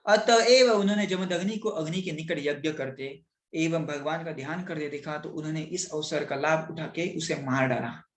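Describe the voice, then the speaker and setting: A teacher tells a scripture story at a middling pitch and slips into English phrases. The teacher checks in with listeners again and again. The room carries a clear echo. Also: fairly even intonation, normal speed. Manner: mixes English into Hindi, keeps asking "right?". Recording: roomy echo.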